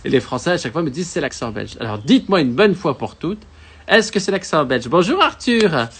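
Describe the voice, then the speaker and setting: A man from France hosting a live comedy talk show, animated, playful and self-mocking. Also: on the high side, quick pace, breathy edge. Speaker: host.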